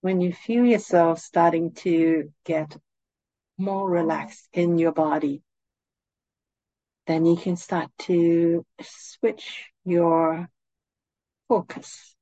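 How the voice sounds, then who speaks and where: Slow, calm woman guiding meditation. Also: lowish voice, dry recording, lo-fi sound. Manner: calm, soothing, gently instructing. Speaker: meditation guide, host. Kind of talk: guided meditation.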